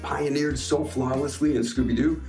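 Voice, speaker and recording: A man's voice: mid-range voice, steady tone, normal speed, warm tone. A man giving thoughtful, articulate interview commentary. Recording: roomy, distant mic, faint guitar music.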